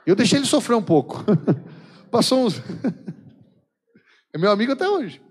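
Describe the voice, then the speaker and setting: A man's voice: very high-pitched, big pitch swings, a little slow, breathy edge. A man from São Paulo state with a Brazilian accent, preaching a sermon as a missionary, telling jokey stories and acting out the dialogue. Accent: Brazilian Portuguese, São Paulo. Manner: jokey storytelling, acts out quoted dialogue, laughs often. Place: large church hall. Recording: long church hall reverb.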